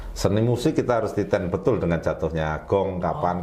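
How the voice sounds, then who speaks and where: A man speaks with a fairly low pitch and very wide pitch swings. Noticeable background noise runs under his voice. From East Java, Indonesia. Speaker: head of a regional culture and tourism office, former shadow puppet master. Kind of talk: podcast interview answer. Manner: humorous.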